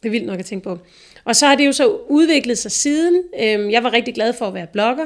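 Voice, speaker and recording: A woman with a high voice talks at a fairly quick pace with lively intonation and big swings in loudness on a very clean recording with a silent background. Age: 40s. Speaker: influencer. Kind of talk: casual chat.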